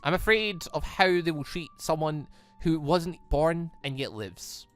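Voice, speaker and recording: A game player voicing a grave, worried male military commander with a measured, solemn and formal delivery. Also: medium pitch, faint music behind, close to an everyday voice.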